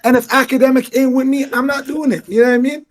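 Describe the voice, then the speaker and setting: Brash hoarse guy, very high voice, slang-heavy stream banter. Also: fairly even intonation, fast talker. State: hoarse, lost his voice. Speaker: guest rapper on a live stream. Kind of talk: rowdy live stream banter.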